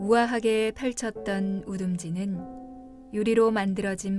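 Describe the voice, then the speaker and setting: Over music in the background, a woman talks at medium pitch with fairly even intonation. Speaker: book reader. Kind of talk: literary prose reading. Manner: slow, lyrical.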